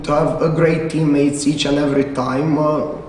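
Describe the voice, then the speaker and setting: A young man with a slightly high voice answers casually, dropping plenty of "uh"s between quick bursts of speech. He is recorded from a distance in a big, reverberant hall. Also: little pitch movement, darkish tone, slight background noise. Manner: lots of uh fillers, quick bursts. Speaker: debate judge. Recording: echoey hall, mic at a distance.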